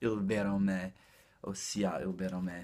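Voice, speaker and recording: Fairly slow delivery in an American accent with monotone, flat intonation. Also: man. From United States. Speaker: video creator explaining accents. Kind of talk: casual vlog chat. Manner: casual, playful. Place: home room. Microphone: webcam.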